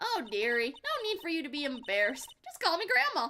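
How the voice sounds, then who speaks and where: This put-on character voice sits high in pitch, moves at a fairly quick pace and takes very wide pitch swings. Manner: sweet, flustered, grandmotherly.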